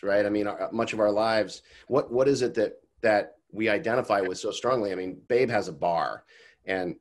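A man in his fifties co-hosting a casual discussion over a video call, reflective and musing, often restarting his sentences. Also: lowish voice. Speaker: co-host. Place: home room, indoors. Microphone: webcam on a video call.

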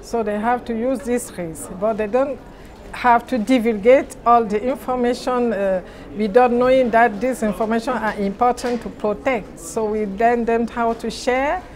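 A middle-aged woman with a Cameroonian accent answers interview questions haltingly, searching for words. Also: on the high side, fairly even intonation, darkish tone. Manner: halting, searching for words in non-native English. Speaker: interviewee, NGO president. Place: large indoor conference venue lobby.

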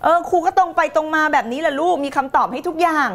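A woman's voice: high voice, fast. A middle-aged woman teaching on a live stream, reading viewer comments in a playful, theatrical way. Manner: playful and theatrical, laughing and putting on voices.

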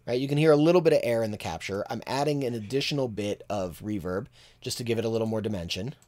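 A man's voice: fairly low pitch, fast, soft background music. Man in his thirties, home studio, casual mixing tutorial, loose and talky. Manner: relaxed, thinking aloud with fillers. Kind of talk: casual screen-share tutorial.

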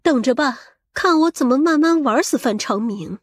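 A woman's voice: high-pitched, lively intonation, moderate pace, dry recording, clean studio sound. A woman playing a vain, scheming middle-aged mother in an audiobook, with a scolding, boastful and coarse-tongued manner. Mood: smug. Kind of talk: audiobook character acting.

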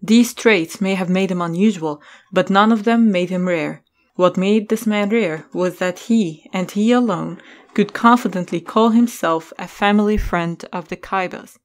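A woman's voice: mid-range voice, a little slow. A woman narrating a scripted story as the narrator of an audio drama.

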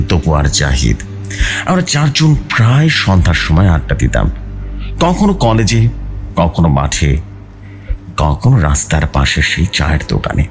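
A man reading a scripted horror story aloud in a suspenseful, theatrical way. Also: sits low. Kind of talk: dramatic scripted horror narration, read aloud. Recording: music bed behind the voice.

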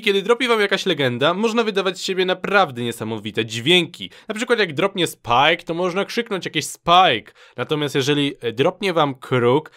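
Chatty man with a higher voice. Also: bright, forceful tone. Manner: chatty, slangy, playfully teasing. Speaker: host narrating a gaming clip compilation. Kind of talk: casual gamer commentary.

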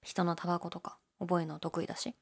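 A young woman playing a laid-back, shyly candid gyaru convenience-store clerk in an audio drama, with a breathy, hesitant, mumbled delivery. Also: little pitch movement, fast talker. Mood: low-key, candid. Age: young adult. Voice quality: low, breathy. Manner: listless, hesitant, mumbled casual polite speech. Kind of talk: male-oriented situation voice drama, casual chat.

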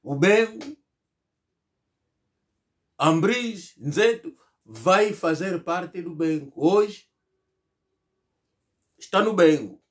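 A man's voice: high-pitched, lively intonation, extremely slow, pauses often. A middle-aged man from Angola gives an emphatic political commentary to camera, mocking imagined replies in a rhetorical monologue from a small room. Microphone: fixed camera, seated at medium distance.

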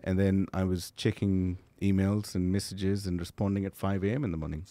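Frank, low-voiced man from Liverpool. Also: level tone, mellow, dry recording. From England (Liverpool). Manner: open and frank, halting restarts, laughing at himself. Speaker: startup founder, panel guest. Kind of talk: casual podcast panel chat.

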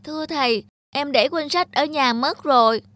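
Woman voicing a high-pitched little schoolboy. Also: normal speed, fairly bright tone, dry recording. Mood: sheepish. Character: forgetful, reluctant little schoolboy. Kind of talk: children's cartoon dialogue.

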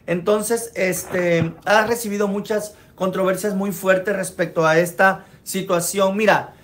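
A man with a high voice hosts a gossip commentary show. He sounds emphatic and indignant. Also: steady tone, measured pace, fairly bright tone, slight background noise. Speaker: show host.

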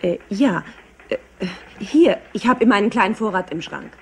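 An actress playing a nervous, defensive office secretary in a German crime drama, halting and easily flustered. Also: female voice, medium pitch, animated, husky. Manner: halting, repeats words. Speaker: actor dubbing an office secretary.

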